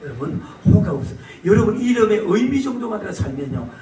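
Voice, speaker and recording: A middle-aged man from South Korea, preaching a sermon. He shouts questions at the congregation and laughs as he goes. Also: high voice, sing-song, brisk. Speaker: pastor. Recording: roomy echo, distant mic, faint hiss.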